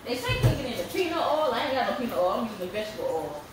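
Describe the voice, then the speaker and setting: High-leaning, sing-song, and rapid-fire, this woman speaks Southern African American English, an accent from the southern United States. A home cook at her kitchen counter, she keeps up a folksy, salty, think-aloud chat for a casual cooking vlog. Noise and clicks run through the home recording.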